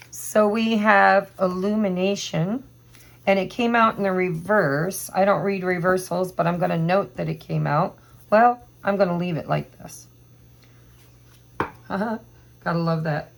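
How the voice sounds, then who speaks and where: A woman doing a casual tarot reading to camera, hoarse from allergies, chatty and meandering as she thinks aloud. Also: on the low side, steady tone, unhurried, slight background noise. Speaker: tarot reader.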